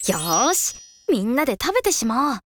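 A quick-witted young boy monk; high, lively, polite and cheerful, light music underneath. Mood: mischievous. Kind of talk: children's folk tale audio drama.

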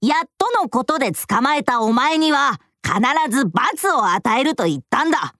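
A woman's voice: sits high, animated, normal speed, a bit bright, dry recording, studio quality. A woman voicing a brave, stern young male tyrannosaurus who talks in a tough, scolding, boyish way. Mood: puzzled. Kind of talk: children's audio drama acting.

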